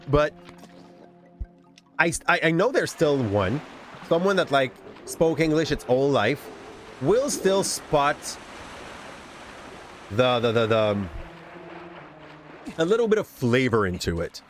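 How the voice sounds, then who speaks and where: Speaking a little slowly and pausing often, a Quebec man streams his gameplay in a sing-song voice that's a little high. With game music behind him, he chats and rambles in a light Québécois French accent, restarting words regularly.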